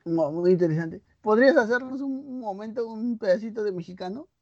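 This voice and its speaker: A man from Latin America hosts a podcast and asks his guest questions in an easygoing, curious manner. His voice sits quite high for a man. The recording is dry and muffled. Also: a little fast, darkish tone, dry recording. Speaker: podcast host. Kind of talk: casual interview.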